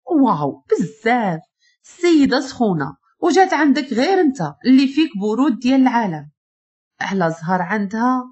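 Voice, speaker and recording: A woman's voice: fairly high pitch, big pitch swings, moderate pace, a little mellow, slightly rough, lo-fi sound, pitched above the performer's own voice. A woman with a Moroccan accent voicing a rich, flashy young man who jokes and boasts with his friend. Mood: playful. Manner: playful, boastful.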